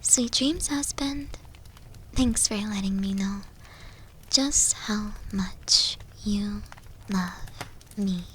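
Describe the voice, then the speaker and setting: A woman's voice: medium pitch, extremely slow, long pauses, slight background noise, rough recording. A woman playing a doting, obsessive fox-spirit wife in an intimate ASMR roleplay, speaking tenderly and fawningly, often slipping into whispers. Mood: soft, sleepy.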